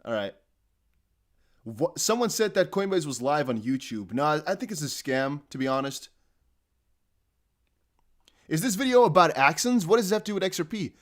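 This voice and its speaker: A man's voice: fairly high pitch, very animated, normal speed, long pauses. Rambling young man from the Netherlands. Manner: rambling, laughs often, many fillers. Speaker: crypto livestream host. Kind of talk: casual live stream chat.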